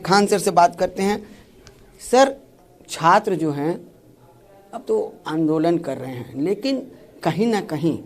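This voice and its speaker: A man working as a news reporter, briskly introducing and questioning a guest. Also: sits high. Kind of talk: news interview.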